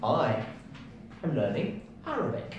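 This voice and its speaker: A man's voice: medium pitch, huge pitch swings, measured pace, very echoey, recorded from a distance, lo-fi sound. A man from England, co-hosting a casual chat about learning languages with dry, self-deprecating humor. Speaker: co-host.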